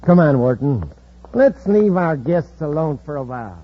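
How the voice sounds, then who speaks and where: An actor playing a cold, calculating villain who leads a gang, in an old radio drama. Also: male voice, a little high, big pitch swings, normal speed. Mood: menacing. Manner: smooth, cool menace. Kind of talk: 1950s radio drama acting. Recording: dull old radio broadcast recording.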